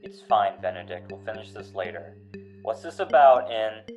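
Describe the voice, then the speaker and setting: A man's voice: lowish voice, lively intonation, moderate pace, darkish tone, faint music behind, natural voice. A man playing a curt, defensive police superior in an amateur radio drama.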